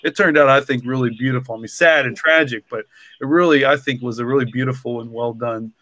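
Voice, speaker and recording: A man's voice: medium pitch, steady tone, fast talker, pushed and bright, no echo. A man talking casually and reflectively, rambling with lots of "like" and "you know". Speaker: podcast co-creator and story author.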